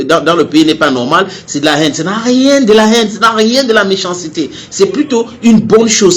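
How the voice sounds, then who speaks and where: A man's voice: high voice, slight background noise. Heated, stammering Cameroonian man ranting. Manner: heated, repeats himself, stammers on restarts. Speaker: online commentator. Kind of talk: impassioned direct-to-camera rant.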